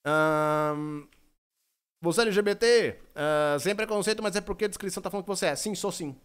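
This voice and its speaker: A young Brazilian man with a Brazilian Portuguese accent and a fairly high voice chats loosely on a live stream. He jokes, rambles and answers his chat aloud into a desk microphone in a small room. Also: brisk, fairly bright tone, clear, resonant tone. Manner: playful, joking, reads chat aloud, rambling. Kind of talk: casual live-stream chat while gaming.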